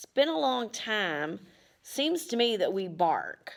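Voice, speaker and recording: Someone uses a put-on character voice at a fairly high pitch and a fairly slow pace. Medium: read story. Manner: meek, simple.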